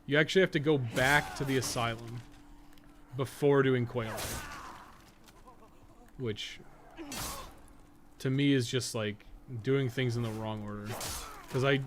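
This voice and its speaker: A man's voice: medium pitch, measured pace, pauses often, noisy background. A man giving casual, rambling, sweary gameplay commentary as a streamer. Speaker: game streamer and podcast co-host.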